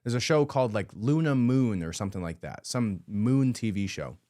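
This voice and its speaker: A man's voice: fairly low pitch, animated, normal speed, warm tone, dry recording, studio quality. A man hosting a podcast, giving an emphatic, indignant commentary monologue and repeating his points for emphasis. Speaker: podcast host.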